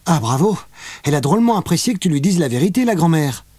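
A man's voice: on the high side, sing-song, quick pace, darkish tone, dry recording, voice pushed up. A man voicing a cheeky, pragmatic young boy in a children's audiobook.

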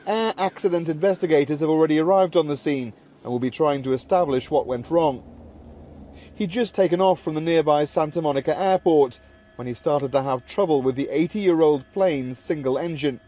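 A man's voice: on the high side, moderate pace, warm tone. A man narrating a scripted television news report as the reporter.

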